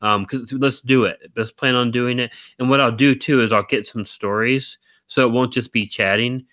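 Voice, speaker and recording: A man hosting a live stream, talking in a rambling, teasing way with a deep baritone voice, very tired. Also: steady tone, moderate pace, fairly bright tone, no room sound. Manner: rambling, teasing, laughs often. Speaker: stream host. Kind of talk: casual chat.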